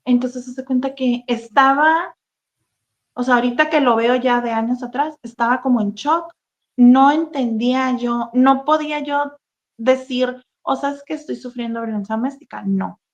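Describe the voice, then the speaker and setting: A woman telling her own painful story as an interview guest, halting and full of fillers and restarts. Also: high voice. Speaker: interview guest sharing a personal testimony. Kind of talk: emotional personal testimony, casual talk. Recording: dull, lo-fi sound.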